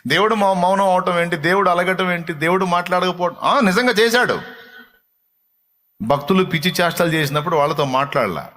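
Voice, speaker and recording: A pastor delivers a sermon in a fairly high male voice, chatting with his listeners through a stream of rhetorical questions. He drops to quiet, low asides and then lifts into raised, pleading cries. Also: quick pace. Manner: conversational, full of rhetorical questions; swings between soft, low asides and raised, pleading exclamations.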